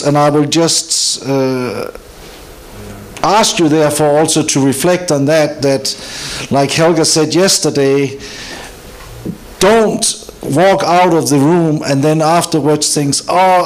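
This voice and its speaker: A man's voice: a little high, rough recording. Moderator man. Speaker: conference moderator. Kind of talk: moderating a discussion. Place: conference room.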